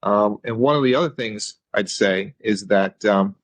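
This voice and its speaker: A man with a fairly low voice answers like a corporate executive on an earnings call. His delivery is measured and careful, and the sound is dry with no room echo. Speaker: company finance executive.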